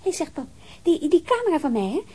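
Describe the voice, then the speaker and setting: A woman's voice: very high voice, very animated, a little fast, mellow. A woman playing a detective's curious, teasing young daughter in a naturalistic radio drama, speaking in an informal, coaxing way.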